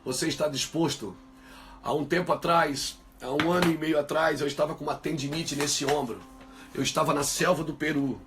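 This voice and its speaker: A man's voice: mid-range voice, a bit bright. A male pastor telling a personal story in a sermon, moving from easy conversation to fervent preaching.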